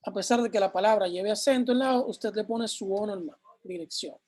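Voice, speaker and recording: High-voiced male programming teacher. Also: brisk, darkish tone. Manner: explains step by step, asks questions and answers them himself. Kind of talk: live class explaining code on screen.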